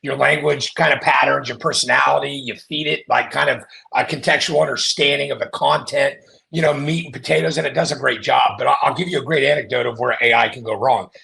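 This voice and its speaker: Gravelly man, chatty podcast guest. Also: medium pitch, fairly quick. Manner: animated storyteller, acts out quoted voices. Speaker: podcast guest, marketing company founder. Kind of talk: casual podcast conversation.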